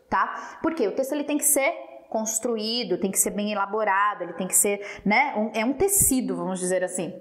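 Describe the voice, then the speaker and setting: A woman's voice: a little high, roomy sound. A woman teacher giving an exam-prep lesson, playful and teasing as she talks her students through writing. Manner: playful, teasing, talks while drawing on a slide.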